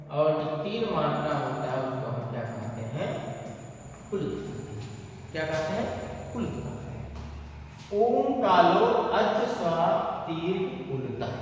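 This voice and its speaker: A male Sanskrit teacher giving a classroom grammar lecture, speaking slowly, repeating terms and asking his students rhetorical questions. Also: high-pitched, slight background noise. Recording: echoey hall, distant mic.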